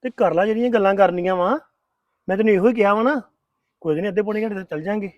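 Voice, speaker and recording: An actor playing an impatient young husband who insists on going home in a family drama. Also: male voice, high voice, rapid-fire, dry recording, lo-fi sound, close to an everyday voice. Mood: insisting. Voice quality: insistent, grumbling. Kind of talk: Punjabi family drama acting.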